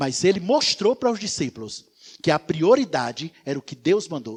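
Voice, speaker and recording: A man talks at a moderate pace with a high pitch. His voice makes very wide pitch swings, and the sound is dry and close with no echo. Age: 50s. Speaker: pastor. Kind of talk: sermon.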